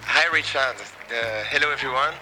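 A man's voice: medium pitch, moderate pace, pushed and bright, soft background music, poor audio. A man with a strong French accent, answering interview questions on a podcast with many hesitant fillers. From France. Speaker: interview guest, company co-owner.

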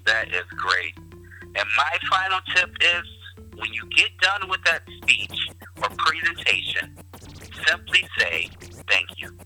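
A man with a lively, animated voice co-hosts a podcast. His tone is very bright and cutting, and he gives tips in an emphatic way. Faint music sits in the background. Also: fairly high pitch, takes it slowly, creaky, poor audio. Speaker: podcast co-host. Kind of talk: casual podcast chat.

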